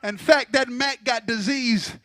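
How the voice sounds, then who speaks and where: A man's voice: very high voice, a little slow, pushed and bright, no room sound, soft background music. A man preaching a sermon into a pulpit microphone, building fervor and teasing the congregation to respond.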